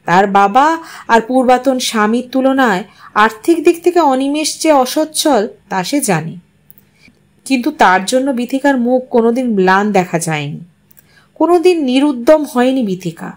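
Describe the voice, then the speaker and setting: A woman's voice: on the high side, animated, normal speed. A woman narrator reading a literary story aloud in a scripted storytelling style.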